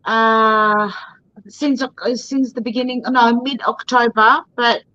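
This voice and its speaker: A woman's voice: fairly high pitch, little pitch movement, slow pace, sharp tone, no echo. A woman raised in Australia, a psychic medium and guest, talking casually over a video call, often restarting her words. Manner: chatty, trails off and restarts words. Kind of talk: casual chat on a live stream. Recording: dull dry sound.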